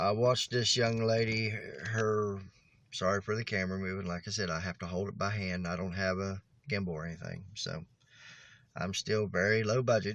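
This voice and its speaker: Speech in an Appalachian accent moves at a moderate pace. The intonation is fairly even. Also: man, fairly low pitch for a man. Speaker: vlogger and camper. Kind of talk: casual vlog rant. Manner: halting, some stuttering. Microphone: handheld phone camera, low budget.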